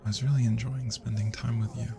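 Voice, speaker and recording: Shy, smitten British student, played by a man, low and gravelly, soft hesitant ASMR delivery with party music behind. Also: level tone, fast, lightly acted. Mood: wistful. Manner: soft, hesitant, breathy sighs and whispers. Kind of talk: intimate roleplay ASMR acting. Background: party music and crowd chatter.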